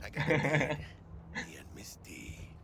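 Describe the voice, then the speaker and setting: A man speaks in a raspy, put-on character voice at a moderate pace. Background noise is clearly present. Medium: video game.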